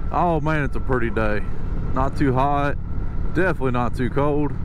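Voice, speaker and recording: Recorded dry with no echo but with noticeable background noise, a man speaks at a moderate pace with ordinary pitch variation. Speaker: motovlogger. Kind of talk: casual vlog chat. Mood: cheerful, relaxed. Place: motorbike. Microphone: helmet.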